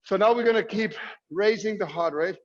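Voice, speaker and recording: A man's voice: high voice, brisk. A man coaching a fitness workout, giving instructions and calling out drills in short commands with encouragement. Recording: muffled, echoey hall sound.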